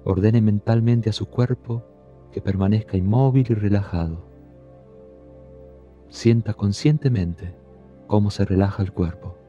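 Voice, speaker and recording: A man leading a guided meditation, giving calm, soothing, unhurried instructions. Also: fairly low pitch, lo-fi sound, faint music behind.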